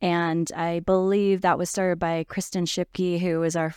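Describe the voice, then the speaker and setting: In an ordinary speaking voice, a woman with an American accent talks at a moderate pace and fairly low pitch on a very clean recording with a silent background. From California, Mono County. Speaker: arts council executive director. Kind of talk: casual interview.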